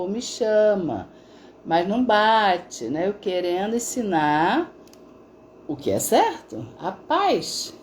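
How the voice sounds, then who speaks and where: A middle-aged woman therapist speaks in a mellow, warm-toned voice at a middle pitch. She talks casually to viewers of a live stream, telling stories and checking in with frequent tag questions. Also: slight background noise. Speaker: integrative therapist.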